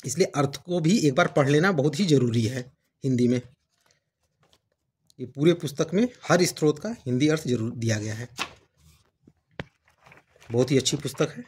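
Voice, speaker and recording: A man talks through a devotional book for his channel, explaining what is in it and reading parts aloud. His voice is husky and sits at a middle pitch. The delivery is casual and explanatory. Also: animated, normal speed, pauses often, a little mellow. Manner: explanatory, conversational, reads passages aloud. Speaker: channel host reviewing books. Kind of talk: casual book review talk.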